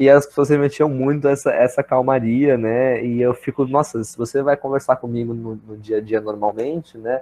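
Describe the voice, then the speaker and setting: A man with a dark, mellow tone and fairly even intonation. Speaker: workshop instructor. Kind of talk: online class lecture. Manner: fast, sometimes stutters; agitated in everyday speech.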